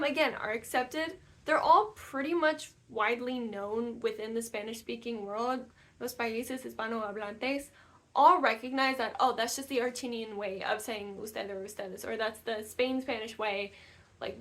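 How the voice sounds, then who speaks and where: A woman's voice: a little high, fairly bright tone. A young woman vlogging casually about learning languages, speaking in a chatty way with frequent fillers and restarts. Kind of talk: casual talk to camera. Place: new house, room not yet decorated.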